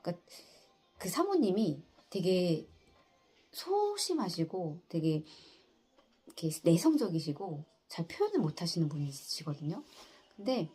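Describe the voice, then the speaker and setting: Middle-aged woman, earnest vlog storyteller, low mellow voice, halting delivery. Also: very animated, breathy edge, soft background music. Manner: soft, earnest, halting with many fillers. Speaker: insurance agent. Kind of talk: casual personal storytelling.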